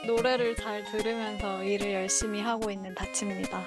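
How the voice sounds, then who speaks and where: A woman's voice: mid-range voice, level tone, brisk. A woman in her thirties hosting a casual group chat. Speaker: podcast host. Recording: music playing behind the talk. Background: background music.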